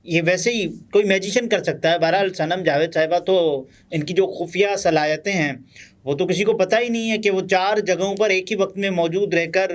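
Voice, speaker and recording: A man with a Pakistani Urdu accent giving conversational political news commentary, pausing often with fillers. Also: high voice. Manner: conversational, many pauses and fillers.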